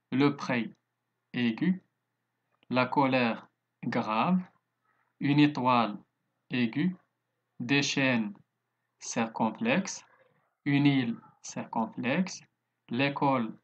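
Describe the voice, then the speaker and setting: A man's voice: mid-range voice, measured pace, pauses often, muffled recording. A man with a Moroccan Arabic accent teaching a recorded online lesson, going through words one by one. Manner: steady explaining, spelling out word after word.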